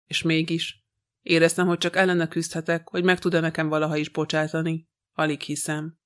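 A man reading a novel aloud in the first person, in an even, measured way. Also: a little high. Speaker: audiobook reader.

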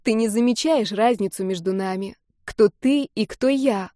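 A woman reading the part of a stubborn young woman who pleads, close to tears, her voice climbing higher. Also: expressive, moderate pace, a little mellow, no room sound. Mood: tearful.

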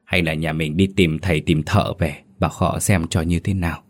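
A man's voice: low voice, fairly even intonation, normal speed, close to an everyday voice. A man voicing a younger village funeral musician who speaks thoughtfully and helpfully.

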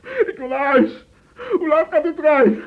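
Teenage son: high-pitched, resentful, curt and defiant radio-drama delivery, dull narrow recording. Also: male voice, animated, unhurried, full character voice. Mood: tearful, angry. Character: sullen, resentful sixteen-year-old son, easily hurt. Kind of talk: Dutch radio play acting. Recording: dull, muffled old radio play recording.

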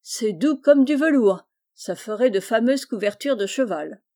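A woman's voice: on the high side, lively intonation, measured pace, dark tone. A woman reading the part of a hearty, generous older male farmer in a storybook, jovial and exclaiming.

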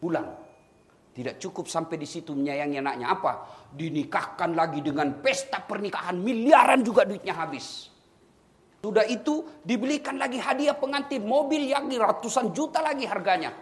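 A man preaching a humorous sermon to a congregation, teasing his listeners and building up to loud calls. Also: sits high, lively intonation, moderate pace. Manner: jokey, teasing, rising to loud exhortations.

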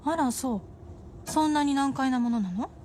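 上品な言葉遣いで夫をからかう作家の妻を演じる女性俳優。ラジオドラマの芝居。. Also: female voice, high-pitched, normal speed, dark tone, a little hiss or hum, natural voice. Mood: wry. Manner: polite, teasing, genteel speech. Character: refined wry wife of a novelist. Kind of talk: radio drama acting.

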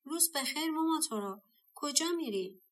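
A woman's voice: high-pitched, animated, voice pushed up. A woman voicing a friendly, eager white dog in a storybook, in a raised voice.

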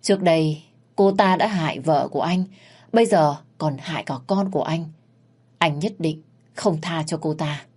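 A woman narrating a family drama in a gentle, sympathetic storytelling manner. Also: sits low, moderate pace, husky. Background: faint music.

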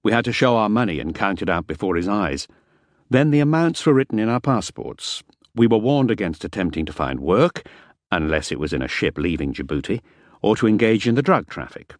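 A man reading a first-person novel aloud as an audiobook narrator, measured and wry. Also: lowish voice, big pitch swings, no echo.

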